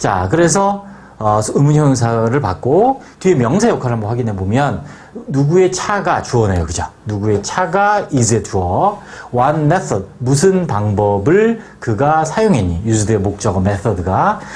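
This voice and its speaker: A man's medium-pitched voice with very wide pitch swings at a very slow pace, plus audible room echo and noticeable background noise. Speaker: English teacher. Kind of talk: lecture.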